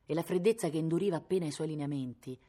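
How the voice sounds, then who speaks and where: A woman's voice: deep voice, rapid-fire, warm tone. A woman from Italy reading a novel aloud expressively, her voice rising with the drama. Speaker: reader.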